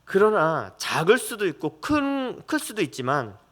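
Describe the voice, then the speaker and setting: Lively high-voiced Korean pastor preaching. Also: male voice, unhurried. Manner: conversational storytelling sermon, acts out family voices. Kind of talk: sermon.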